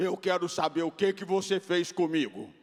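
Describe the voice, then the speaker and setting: A gruff, put-on character voice at a moderate pace. The intonation stays monotone and flat. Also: man, high pitch for a man. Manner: demanding.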